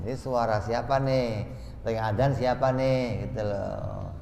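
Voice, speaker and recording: Slow-spoken man teaching in an echoey hall. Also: fairly low pitch, fairly even intonation, vocal fry, noisy background. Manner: teaches with rhetorical questions and playful examples; chants Arabic text from a book. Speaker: religious teacher. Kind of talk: religious study lesson.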